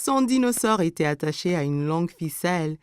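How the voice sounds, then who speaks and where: A woman reading scripted narration for a children's cartoon in a clearly phrased storytelling manner. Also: on the low side, expressive, a little fast, a little hiss or hum. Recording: music behind the voice. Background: background music.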